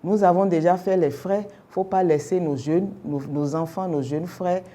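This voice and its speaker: A young adult woman, a Yoruba native speaker, answering interview questions as an orientation specialist in a measured, explanatory way with rhetorical questions. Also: on the low side, warm tone. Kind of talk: formal radio interview answers.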